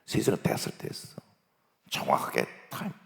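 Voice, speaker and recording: A pastor in his sixties preaching a sermon, stressing points loudly and then dropping almost to a whisper. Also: normal speed, in a large hall. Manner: emphatic, swings from loud declarations to near-whispers. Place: church sanctuary.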